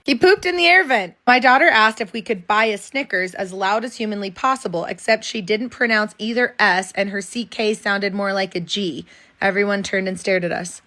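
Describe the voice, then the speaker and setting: A woman's voice: mid-range voice, normal speed, sharp tone. A young woman reading viewer comments aloud and reacting to them, often laughing as she goes. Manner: amused, often breaking into laughter.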